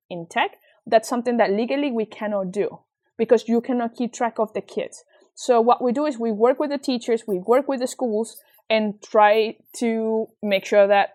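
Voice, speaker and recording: A young woman from Venezuela with a Venezuelan Spanish accent, talking as an interview guest with earnest, animated storytelling. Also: medium pitch. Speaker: guest, nonprofit founder. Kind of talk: casual interview chat.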